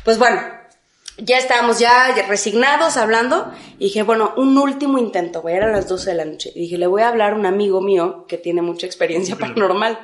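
A young Mexican woman telling a story in casual chat, animated, often breaking into laughing shrieks. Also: medium pitch, brisk, reverberant. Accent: Mexican Spanish. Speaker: podcast co-host.

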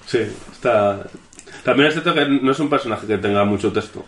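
A man's voice: medium pitch, a little fast, a bit bright, roomy sound. A man co-hosting a casual film podcast, casually pushing back. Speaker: podcast co-host.

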